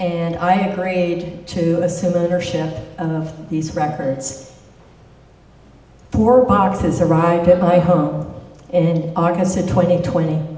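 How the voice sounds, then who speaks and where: Audible room echo and noticeable background noise surround very slow speech with fairly even intonation. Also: woman, fairly low pitch for a woman. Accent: American. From Pittsburgh, Pennsylvania. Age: 70s. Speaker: storyteller and author. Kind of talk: personal storytelling.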